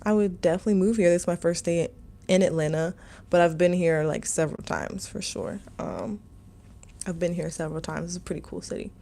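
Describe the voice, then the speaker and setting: A woman's voice: fairly low pitch, animated, brisk, creaky, warm tone, a little hiss or hum. A young woman from Maryland hosting a casual livestream as a meditation teacher, rambling through viewer comments with lots of "like" and "um". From Maryland, USA.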